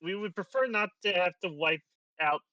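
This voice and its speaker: A man playing a tabletop game over an online call, his voice choppy and breaking up, halting as he searches for words. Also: high voice, sharp tone, no echo. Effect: choppy, breaking-up online call audio. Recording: dull, distant voice over a weak internet call.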